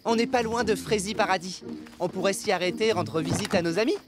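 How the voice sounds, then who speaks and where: A grown-up cartoon traveller, voiced by a woman, with a medium-pitched voice. She is folksy and kindly and thinks out loud in a slightly puzzled way. Music plays clearly behind her. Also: fairly quick, natural voice. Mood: kindly, musing. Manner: musing aloud to herself. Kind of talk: animated children's series dubbing.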